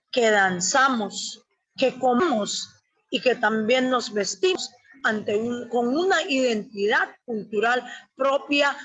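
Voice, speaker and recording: A woman's voice: a little high, fairly bright tone. A woman from la Mosquitia in Honduras, speaking as an Indigenous organization's representative in a formal, emphatic webinar address full of long lists. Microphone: webinar audio feed. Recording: dull lo-fi webinar audio.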